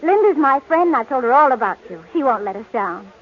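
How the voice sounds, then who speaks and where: A woman's voice: high-pitched, very animated, fairly quick. An actress playing an ardent, lovestruck young woman in an old melodramatic radio play. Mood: adoring. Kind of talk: 1940s American radio drama acting. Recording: noisy, muffled old radio recording.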